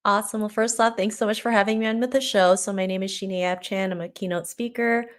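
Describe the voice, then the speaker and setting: A Toronto woman born in the Philippines, not a native English speaker, appears as an author guest on a podcast, speaking in a casual, motivational interview style. Her mid-range voice is fast with fairly even intonation.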